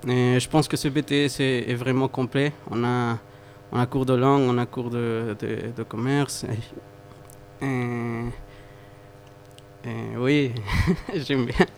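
Halting young man, flat pitch. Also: slight background noise. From Mexico. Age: 20s. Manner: halting, repeats words while searching. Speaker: student guest. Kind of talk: casual interview answers.

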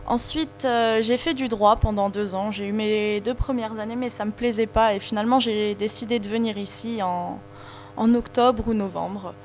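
A woman's voice: mid-range voice, steady tone, normal speed, a little mellow, a little hiss or hum. A woman in her twenties talking casually as a student panelist in a discussion. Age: 20s.

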